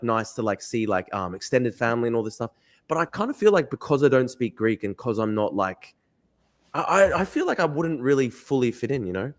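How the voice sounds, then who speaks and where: A quick-talking man hosting a podcast interview, his sentences tumbling out in a loose, rambling way. He leans heavily on "like" and circles around his point before reaching his question. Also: medium pitch. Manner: rambling, heavy use of "like". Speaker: podcast host. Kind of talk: casual interview.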